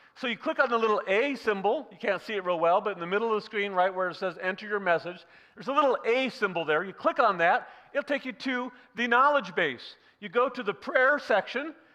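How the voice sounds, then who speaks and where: Raised and projected, this voice has a bright, sharp tone, lively intonation and a fairly quick pace. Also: man, high pitch for a man. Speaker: digital evangelism trainer. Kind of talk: training presentation. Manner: fast.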